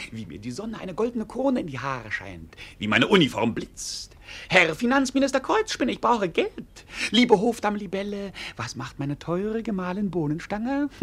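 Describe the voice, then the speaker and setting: A man playing an idle, roguish wandering fool in a German radio play, declamatory and playful, with a husky voice. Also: high-pitched, a bit bright, full character voice. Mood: grandiose glee. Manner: declamatory, playful, sometimes sing-song.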